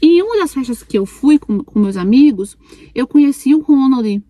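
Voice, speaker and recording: A woman's voice: high voice, animated, moderate pace, dark tone, dry recording. Chatty young woman telling a story. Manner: chatty, addresses listeners as "gente", many repetitions. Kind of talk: first-person story narration.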